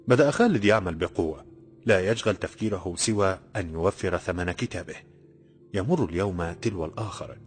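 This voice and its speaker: A man narrating a novel in a steady, measured storytelling voice. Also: sits low. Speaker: audiobook narrator. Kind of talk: scripted narration.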